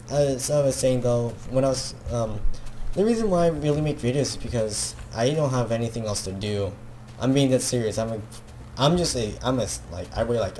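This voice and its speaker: A man's voice: medium pitch, a little mellow, slight background noise. A young man with a Filipino accent, rambling self-consciously in a casual video, full of fillers and restarts. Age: teenager. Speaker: gaming video creator.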